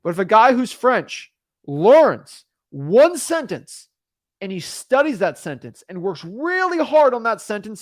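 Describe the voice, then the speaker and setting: A man's voice: a little high, no room sound. Young male coach, casual and repetitive delivery, tenor-leaning voice in a dry room. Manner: rambling, repetitive, frequent fillers and restarts. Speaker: real estate wholesaling coach. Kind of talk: casual talking-head advice.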